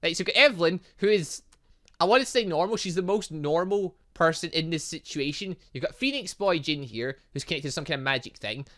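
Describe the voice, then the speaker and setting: A man giving excitable, rambling casual commentary as he plays a visual novel as a gaming host. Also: on the high side, fairly quick. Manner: excitable, rambling, reacting aloud. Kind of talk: casual game commentary with lines read aloud from a visual novel.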